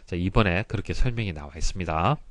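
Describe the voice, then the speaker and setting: A man with a deep voice delivers an explanatory exam prep lecture, reading and solving exam questions. He is didactic and polite, stressing key terms, and speaks animatedly and fast with no echo.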